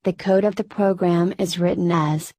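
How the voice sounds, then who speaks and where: Woman tutor, low-pitched and mellow, flat machine-like read, dry booth sound. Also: moderate pace, no echo. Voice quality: flat, synthetic-sounding delivery. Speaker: programming tutor. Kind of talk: scripted tutorial narration.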